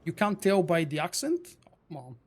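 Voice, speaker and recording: Male game streamer, Bulgarian accent, easygoing, chats to his audience mid-play, pitch a touch high. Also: normal speed. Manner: relaxed, rambling, answers chat between fights. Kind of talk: live gameplay commentary, chatting with viewers.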